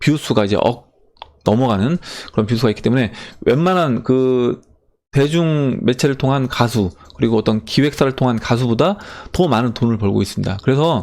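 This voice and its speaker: A man speaks at a medium pitch and a moderate pace. His intonation is lively, and his loudness stays very even. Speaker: crypto investment YouTuber. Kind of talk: Q&A commentary to viewers.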